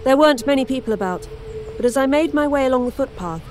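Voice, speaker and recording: A woman narrating a horror audio drama in first person, measured and introspective. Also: sits high, expressive, darkish tone, slight background noise. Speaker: narrator and lead character.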